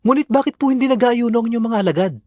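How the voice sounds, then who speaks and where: A man's voice: very high-pitched, rapid-fire, darkish tone, dry recording, studio quality. A male actor playing an earnest young disciple questioning a teacher in an audio Bible drama. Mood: puzzled, earnest.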